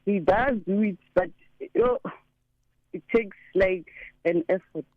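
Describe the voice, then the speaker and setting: Woman caller in her thirties, deep voice, English mixed with Zulu, phone-line sound. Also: big pitch swings, unhurried, no echo. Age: 30s. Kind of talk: phone-in call to a radio show. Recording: tinny phone line, dry.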